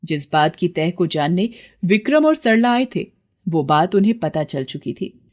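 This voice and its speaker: A woman narrating a children's cartoon story in a calm, even, scripted way. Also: on the low side, unhurried, muffled recording.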